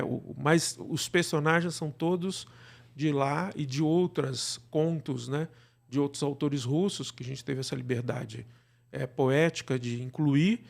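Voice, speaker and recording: A man with a Brazilian accent speaking as an interview guest, conversational and halting, repeating words and adding tag questions. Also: on the high side, gravelly, darkish tone. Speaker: interview guest, radio drama producer.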